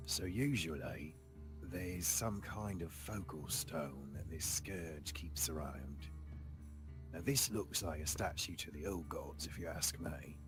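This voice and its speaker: A man playing a tabletop roleplaying game, thoughtfully narrating his character's actions and speaking in character, in a measured, hesitant way. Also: a bass voice. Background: background music.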